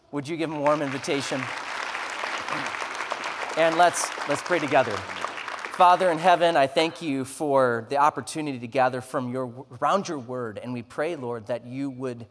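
A man's voice: fairly high pitch, fairly bright tone. A man in his thirties, a lead pastor, speaking in a conversational, earnest way on a church stage before leading a prayer. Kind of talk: church announcements and introduction, then prayer. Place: church stage, large sanctuary. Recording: reverberant church sanctuary.

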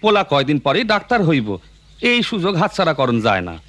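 A man's voice: fairly high pitch, big pitch swings, quick pace, fairly bright tone, no echo. A stubborn, insistent cartoon father. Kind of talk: cartoon voice acting.

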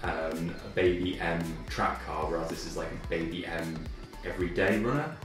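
A young Englishman with a low voice chats casually, pausing often mid-sentence. The room is very echoey, the mic sits at a distance and faint music plays behind him. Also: a bit bright. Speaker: interviewee, car owner. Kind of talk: casual chat while playing a video game. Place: living room, indoors.

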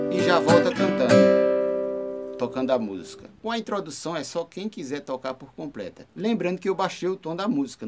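A Brazilian man giving a step-by-step guitar lesson, calling out chords and explaining plainly, with repeated key steps. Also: medium pitch. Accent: Brazilian Portuguese. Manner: plain instructive talk, repeats key steps, sings snippets loudly. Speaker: guitar teacher. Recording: talk over loud acoustic guitar.

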